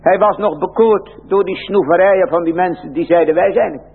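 A man's voice: high-pitched, brisk, husky. A man preaching a sermon in an emphatic style, using old biblical phrasing. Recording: tinny lo-fi phone-like recording.

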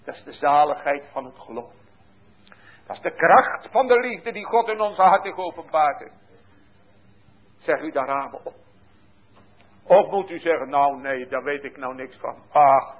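Impassioned preacher on a tinny line. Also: male voice, on the high side, unhurried, pauses often. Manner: impassioned, swinging from hushed to loud. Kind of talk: sermon. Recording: tinny phone-like sound.

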